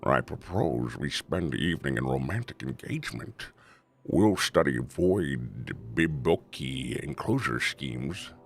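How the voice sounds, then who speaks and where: A man doing a sultry, booming tentacle creature. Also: animated, creaky, soft background music, full character voice. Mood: seductive. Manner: slow, drawn-out, seductive. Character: many-eyed tentacled male void creature, sultry.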